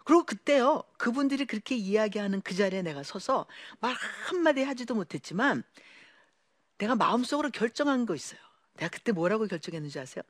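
A woman's voice: a little high, a little fast, no room sound. Woman telling her own story to a crowd, lots of feeling, voice jumping all over, dry close sound. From Korea. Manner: animated storytelling, acts out quoted voices. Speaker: speaker giving a personal testimony. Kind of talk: emotional personal testimony to an audience.

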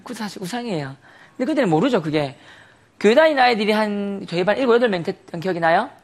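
A man's voice: high voice, expressive, fast talker. A man giving a sermon testimony, telling a story animatedly with frequent laughter and rhetorical questions.

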